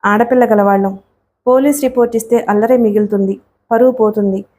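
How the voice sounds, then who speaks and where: A worried middle-aged father, protective and gentle, who reasons with calm earnestness, as a woman reads him. The voice sits a little high and sounds mellow. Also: fairly quick, lightly acted. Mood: earnest.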